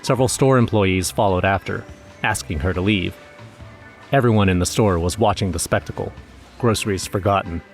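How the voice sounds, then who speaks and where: A man's voice: low-pitched, a little fast, soft background music. An actor playing an anxious young man who narrates his own horror story in a scripted audio drama. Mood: uneasy, tense. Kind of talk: first-person scripted horror narration with acted dialogue.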